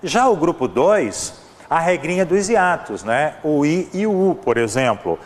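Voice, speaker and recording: A man's voice: fairly high pitch, sing-song, unhurried, long reverb tail. A man with a Brazilian Portuguese accent teaching an exam-prep grammar lesson, walking through examples and often checking in with "né?". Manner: explanatory, repeats examples, frequent "né?" and "ó".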